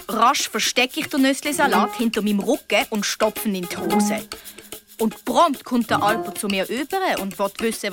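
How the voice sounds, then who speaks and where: A woman with a Swiss German accent reading a children's story aloud as a young girl's first-person narration, lively with sudden high outbursts.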